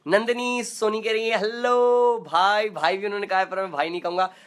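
A man's voice: sits high, steady tone, normal speed, fairly bright tone. A man chatting playfully and non-stop in a casual live video chat, reading out comments as a singer host. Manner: playful, joking.

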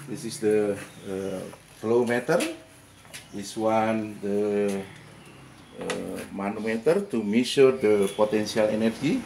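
This older Indonesian man, a native Indonesian speaker, has a warm, lowish voice and takes his time while showing his lab projects in English. The tour of his garden workshop, both indoors and outdoors, is halting and full of fillers, repeats and restarts. A handheld camera close by records echoey audio with clear background ambience and a little hiss or hum.

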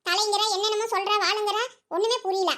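A woman's voice: extremely high pitch, steady tone, fast talker, sharp tone. A woman voicing chatty village women in a cartoon, fussing, gossiping and scolding. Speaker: cartoon character.

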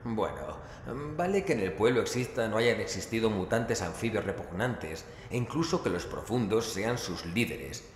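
A man's voice: on the low side, sing-song, moderate pace, a little hiss or hum. A man playing a skeptical investigator who narrates and speaks in a horror audio drama.

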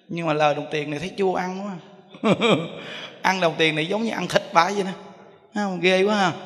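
A man, a Buddhist monk, telling a story in a sermon, animated and acting out voices. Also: sits high. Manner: animated, acts out voices, chuckles often. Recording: reverberant hall.

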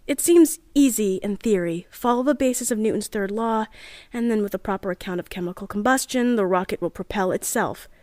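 A bubbly young scientist played by a woman records an audio drama diary in a fairly high voice, close and dry. She is earnest and chatty, an eager optimist with a nervous streak. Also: no echo, lightly acted. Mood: excited, hopeful. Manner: chatty, earnest, halting asides.

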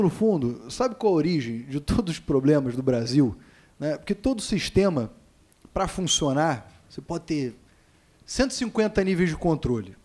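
A man, his voice a touch high and mellow, answers as an invited expert in a legislative hearing room. He speaks plainly and leans on rhetorical questions. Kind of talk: spontaneous committee speech.

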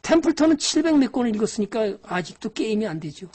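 A woman's voice: on the high side, very animated, quick pace, a little mellow. A woman giving a live-streamed lecture on stock investing. She talks to viewers directly in a scolding, exasperated way, with frequent sighs.

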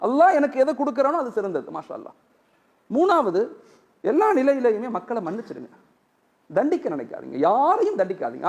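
In an extremely high, creaky voice, a male Islamic preacher gives a sermon full of stories, performing the dialogue with lively animation.

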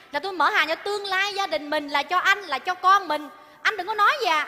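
A woman's voice: high voice, pushed and bright. An actress playing a nagging restaurant-owner wife in a stage comedy sketch, scolding her husband theatrically. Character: bossy nagging Vietnamese-American restaurant wife. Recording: reverberant stage hall.

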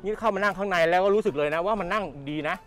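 A man's voice: high-pitched, very fast, fairly bright tone, soft background music. A man giving a casual walkaround tour of a car at a busy indoor motor show, chatty and repeating his points as he films. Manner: chatty, repeats points, ends phrases with polite particles. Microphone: handheld camera mic, presenter off camera.

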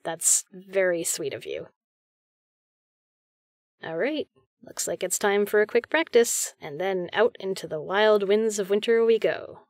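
A woman's voice: medium pitch, animated, measured pace, no room sound, clean studio sound, natural voice. A woman playing a friendly, chatty, reassuring female caroler in a one-sided roleplay audio conversation. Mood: shy, flirty. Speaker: voice actor.

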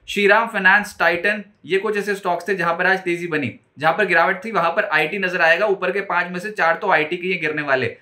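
Bright, high-pitched Indian male market presenter. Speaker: stock market news presenter. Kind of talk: market roundup commentary. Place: studio, indoors before a branded backdrop.

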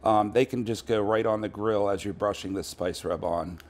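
A man's voice: lowish voice, normal speed. A middle-aged man, a chef, casually talking through a recipe at a pub bar with plenty of ums and uhs. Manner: relaxed, many ums and uhs. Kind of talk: casual cooking demo.

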